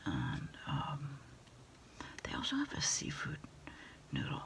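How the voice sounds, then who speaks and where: A middle-aged woman in a quiet ASMR roleplay, speaking haltingly and hushed as she takes a takeout order over the phone. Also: a bass voice, wildly swooping pitch, creaky. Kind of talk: ASMR roleplay, whispered one-sided phone conversation.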